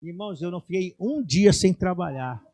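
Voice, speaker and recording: A middle-aged man preaching a sermon with personal testimony, moving from quiet storytelling to loud, shouted exhortation. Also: sits high, expressive, normal speed. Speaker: pastor. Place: church sanctuary.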